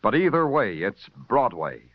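An actor playing a world-weary, hard-boiled detective who narrates in wry, poetic lines, in a 1940s radio drama. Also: male voice, medium pitch, sing-song, measured pace. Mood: brooding, wry. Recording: dull lo-fi 1940s radio recording with music.

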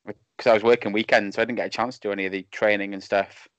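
A man in his thirties with a lisp, talking casually as a podcast guest over a remote call, self-deprecating and halting. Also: on the low side, little pitch movement, no echo. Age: 30s. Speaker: podcast guest, wrestling referee. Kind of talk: casual chat. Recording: dull lo-fi call audio.

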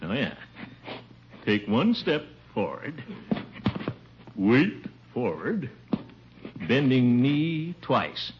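An actor playing a pompous, bumbling middle-aged bachelor uncle in a 1950s radio sitcom, blustering and chuckling. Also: male voice, mid-range voice, big pitch swings, drawn-out words, long pauses, noisy background. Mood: fussy. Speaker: lead comic character. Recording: dull old radio broadcast.

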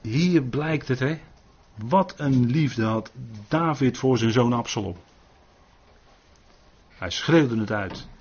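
A man's voice: mid-range voice, animated, takes it slowly, a little mellow, breathy edge, lo-fi sound. An older man leading an informal Bible study, earnest, often adding tag questions and restarting his sentences.

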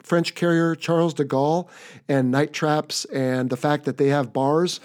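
A man's voice: fairly high pitch, steady tone, a little slow, darkish tone. An American man hosting a podcast, chatting casually and upbeat as he wraps up an episode. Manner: upbeat, chatty, wrapping up the show. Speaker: podcast host.

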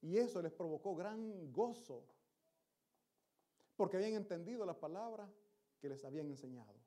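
A man's voice: high voice, lively intonation, moderate pace, mellow. A male pastor preaching a Sunday sermon, exhorting the congregation and asking them questions. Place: church service.

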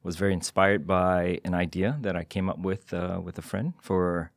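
A man from Singapore, with a notably low voice, answers a podcast host in a dry studio. He speaks modestly and measuredly, pausing often with small hesitations. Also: steady tone, dry recording. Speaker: guest. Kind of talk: interview answers.

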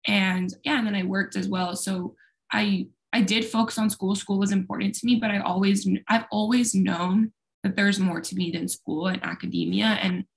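A woman's voice: mid-range voice, steady tone, normal speed, creaky. A young woman whose first language is Spanish, chatting casually about her college years with lots of fillers. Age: young adult. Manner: chatty, rambling with many fillers. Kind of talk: casual chat.

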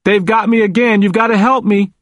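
A man's voice: high-pitched, big pitch swings, normal speed, a bit bright, dry recording, pitched above the performer's own voice. A man voicing a confused, vulnerable elderly man in an audiobook, emphatic and repetitive, with folksy grammar. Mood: panicked, pleading. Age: older. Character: confused, frightened elderly man pleading in hospital.

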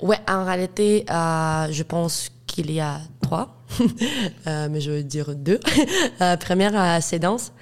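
An eighteen-year-old student from Ukraine, appearing as a guest in a casual interview, speaks slowly and animatedly in a lowish, clean voice. She uses French as a second language, her native languages being Russian and Ukrainian, and her Ukrainian-accented speech is hesitant, full of fillers and laughter.

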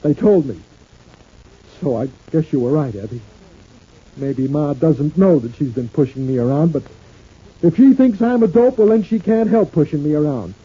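Aggrieved working-class husband, old radio serial. Very rough voice, plaintive and proud, dull vintage recording. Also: male voice, on the high side, lively intonation, normal speed. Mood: wounded.

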